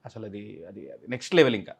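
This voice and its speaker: A man's voice: lowish voice, expressive, quick pace, gravelly, breathy edge. A man, an actor being interviewed, telling a film-set story animatedly and acting out other people's lines. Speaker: actor guest.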